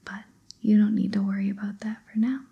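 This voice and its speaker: A woman whispering a Spanish grammar lesson, slow and patient, in a breathy ASMR style. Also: medium pitch, level tone, muffled recording, a little hiss or hum. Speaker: Spanish tutor.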